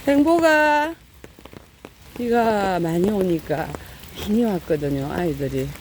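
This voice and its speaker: A woman's voice: fairly low pitch, animated, unhurried. Middle-aged woman vlogging outdoors in the rain. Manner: talks fondly to cats in a raised coaxing voice, lots of fillers. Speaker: cat-feeding vlogger. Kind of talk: casual narration while feeding cats. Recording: light rain noise outdoors. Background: rain falling.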